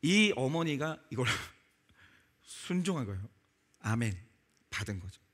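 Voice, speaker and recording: A man's voice: mid-range voice, very animated, slow, fairly bright tone, husky. A male pastor preaching a sermon, acting out quoted lines and pressing the congregation with rhetorical questions. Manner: acts out quoted voices in his telling.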